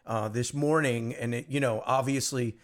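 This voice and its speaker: A man hosting a podcast, slightly hoarse, chatting in an upbeat, rambling way. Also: mid-range voice, steady tone, normal speed. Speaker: podcast host. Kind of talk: casual podcast interview.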